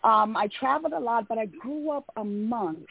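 A woman's voice: a little high, moderate pace, vocal fry, slightly rough, dry recording. A woman from Tanzania, a life coach, speaking earnestly and emphatically as a radio interview guest. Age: adult, came to America at seventeen for college. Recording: phone-line audio.

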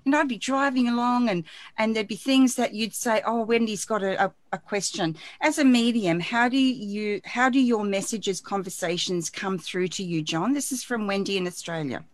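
A woman hosting a live-streamed interview, gentle and effusive, greeting viewers and reading out their questions. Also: mid-range voice, normal speed, no echo. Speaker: radio show host.

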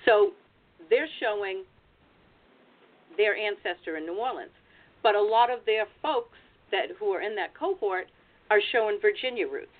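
A woman's voice: mid-range voice, expressive, normal speed, long pauses. An American woman presenting as a genealogy researcher, giving practical advice in an explanatory webinar talk over a video call. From United States. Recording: tinny phone-like online call audio.

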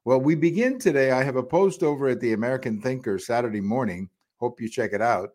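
A man's voice: mid-range voice, quick pace, a little mellow. A middle-aged man from Cuba giving a solo political commentary, indignant and repetitive, with frequent fillers and restarts. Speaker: podcast commentator.

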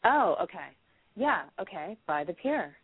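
Hoarse woman psychic reading for a caller; lowish pitch, halting then sure, dry tinny phone-quality sound. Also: very animated, no room sound. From United States. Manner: hesitant, many ums, then firm predictions. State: hoarse with a cold. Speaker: psychic reader.

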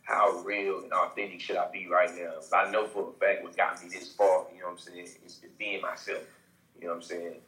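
An African American man chats informally in an echoey room. His voice is on the low side and keeps a fairly even pitch. He feels his way haltingly through each thought, checking in with the listener. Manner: informal, halting, peppered with "you know what I'm saying". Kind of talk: casual podcast chat.

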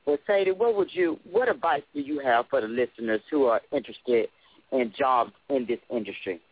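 A man's voice: mid-range voice, moderate pace, breathy edge, no echo. A man hosting an interview, talking conversationally and summing up advice from past guests. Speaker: host. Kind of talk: phone interview. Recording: tinny phone line, dry.

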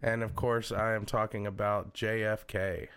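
Relaxed male podcast host. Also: lowish voice, normal speed, clean tone. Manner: storytelling, relaxed, with fillers. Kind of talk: casual chat.

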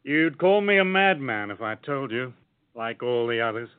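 An actor playing a determined, earnest young sailor who believes the world is round, in the style of old-time radio drama. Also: male voice, mid-range voice, moderate pace, clean tone, natural voice. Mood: solemn. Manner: earnest, steady, quietly insistent. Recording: tinny lo-fi recording with organ music.

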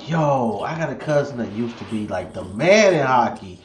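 A man's voice: mid-range voice, sing-song, roomy sound, slight background noise. A man hosting a podcast who chats casually and jokes with his guest. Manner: joking, laid-back, quick to laugh. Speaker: podcast host. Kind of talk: casual interview chat.

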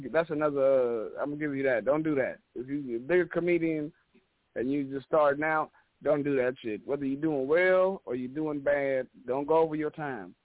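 A man's voice: fairly high pitch, no echo. A man of about thirty from Chicago, a stand-up comedian telling rambling, profane stories as a guest. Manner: animated, profane, rambling storyteller. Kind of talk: casual interview storytelling. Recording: dry, phone-like narrow sound.

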